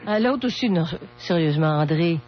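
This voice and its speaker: A woman's voice: lowish voice, expressive, fairly quick. A female radio co-host with a Quebec French accent puts questions in everyday conversational speech. The sound is muffled and lo-fi, with some hum. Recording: dull lo-fi radio recording with hum.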